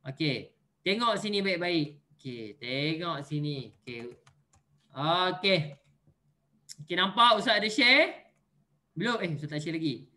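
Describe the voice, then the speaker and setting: Man, religious teacher, online class, bright forceful voice, playful teasing examples. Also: on the high side, big pitch swings, measured pace, pauses often.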